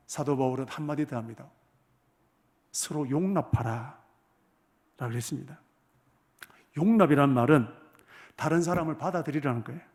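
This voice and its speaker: A male pastor delivers a sermon in a church sanctuary, his voice sitting a little higher than most men's. He keeps turning questions on the congregation and drops to near whispers before surging loud again. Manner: asks the congregation rhetorical questions, loudness swings from hushed to forceful. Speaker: senior pastor.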